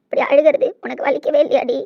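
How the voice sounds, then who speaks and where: A woman playing an anguished middle-aged mother in a family web drama, swinging between pleading and scolding. Her voice sits a little high and the words pour out fast. The delivery is emotional and pressing. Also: steady tone, narrow, tinny audio, natural voice. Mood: desperate. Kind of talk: Tamil web-series acting.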